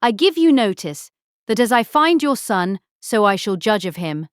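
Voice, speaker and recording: An actress playing a vain, self-satisfied young married gentlewoman in a period audiobook drama, chatty, affected and pompous. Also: mid-range voice, big pitch swings, normal speed, smooth, no room sound, studio quality, natural voice. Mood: self-important. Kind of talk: full-cast audiobook period drama acting.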